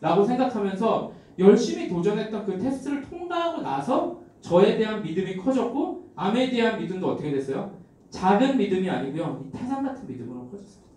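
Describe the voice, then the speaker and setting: A middle-aged man gives a motivational seminar talk, telling his stories with lively rises and falls and a mellow, soft-edged tone. He keeps turning to address the audience directly. His voice bounces around a very echoey hall, picked up from a distance. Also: sits high, brisk. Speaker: seminar speaker.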